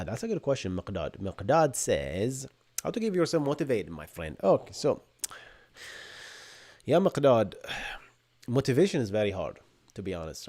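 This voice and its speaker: A man in his thirties from Bahrain, with an Arabic accent and a voice on the low side, hosts a podcast-style live tech Q&A from his home. He explains in energetic bursts, often finishing with "right?", using a desk mic in front of him.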